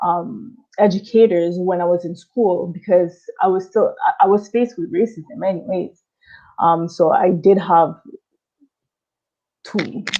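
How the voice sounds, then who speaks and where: A woman speaks fairly slowly, with long, frequent pauses. Her medium-pitched voice has a dark, mellow tone and ordinary pitch variation. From Montreal, Canada. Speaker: panelist. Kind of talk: panel discussion.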